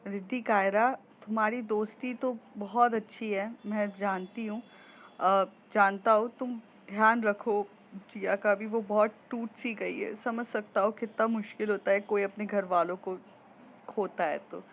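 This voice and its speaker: A woman's voice: medium pitch, fairly even intonation, unhurried, muffled recording, lightly acted. Woman doing a kind fatherly principal. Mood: gentle. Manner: gentle, fatherly, soft-spoken. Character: kind older male school principal.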